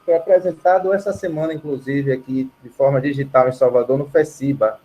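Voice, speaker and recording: A man's voice: medium pitch, fairly quick, low-quality recording. A man from Bahia, telling stories casually as a musician guest in an interview. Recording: clear steady background noise.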